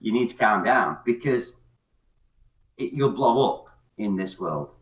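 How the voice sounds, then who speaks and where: A drunk man rambles on, swearing and laughing, with his pitch swinging widely. He sounds distant from the mic in an echoey room. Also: lively intonation, measured pace. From Scotland. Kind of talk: casual chat on an open call-in platform.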